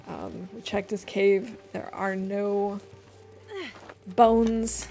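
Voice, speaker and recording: A woman's voice: medium pitch, darkish tone. Chatty woman streamer over faint music. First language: English. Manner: chatty, thinks aloud with fillers. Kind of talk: casual gaming stream chat.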